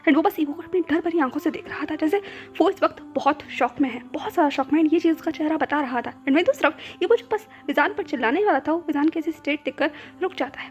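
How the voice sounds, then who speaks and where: A woman's voice: high voice, lo-fi sound. A woman narrating a romance story, mixing English words into her telling. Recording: soft background music.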